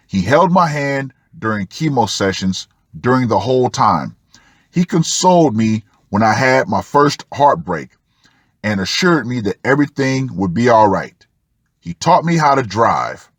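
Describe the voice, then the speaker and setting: A man hosting an online commentary show, reading a post aloud and commenting with deliberate, dramatic emphasis and drawn-out words. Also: medium pitch, breathy edge, no room sound, studio quality.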